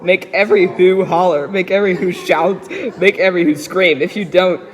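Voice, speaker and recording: A man's voice: high voice, fairly even intonation, normal speed. A man doing a dramatic, giggly read-aloud of a rhyming children's picture book. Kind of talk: dramatic storybook reading with frequent giggling. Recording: echoey reverberant room sound.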